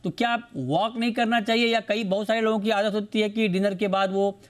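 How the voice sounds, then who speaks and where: A man's voice: high voice, fairly even intonation, brisk. A male TV host interviewing doctors in a studio panel, asking long questions and addressing his guests as sir. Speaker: TV show host.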